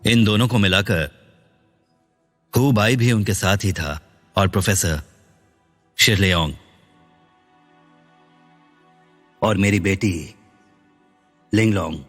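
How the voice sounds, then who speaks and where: A deep, stern middle-aged father. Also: slow pace, pauses often, fairly bright tone, soft background music, heavily acted. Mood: earnest.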